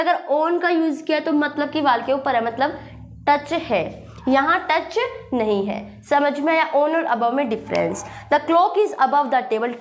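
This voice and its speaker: A young woman with a high-sitting voice teaches English grammar in a classroom-style lesson despite a sore throat and a slight cough. She repeats her points, reads example sentences slowly, and checks understanding with "thik hai."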